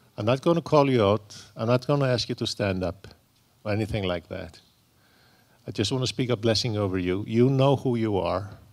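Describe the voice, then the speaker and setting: A man at a fairly quick pace and medium pitch, with ordinary pitch variation, in a normal speaking voice, on a very clean recording with a silent background. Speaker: guest minister. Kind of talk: prayer and blessing.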